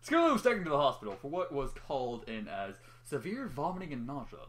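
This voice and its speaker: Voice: medium pitch, very animated, quick pace. A young adult reading a story aloud in an amateur, casual way, stumbling at times, teasing and swearing between passages. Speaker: reader of a story. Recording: noticeable background noise.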